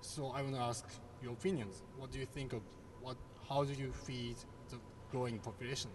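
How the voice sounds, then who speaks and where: A young man, moderating a panel with measured questions. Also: mid-range voice, fairly even intonation, background noise. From Japan.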